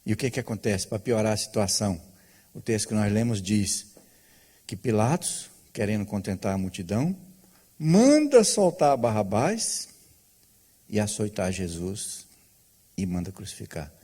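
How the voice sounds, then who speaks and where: A man's voice: fairly low pitch, sing-song, normal speed, warm tone. A male pastor preaching a sermon, telling a story with rhetorical questions to the congregation.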